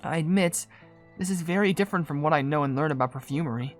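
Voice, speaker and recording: A woman's voice: deep voice, quick pace, soft background music, lightly acted. A woman voicing a polite, humble young female perfumer in cartoon game dialogue. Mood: earnest, polite.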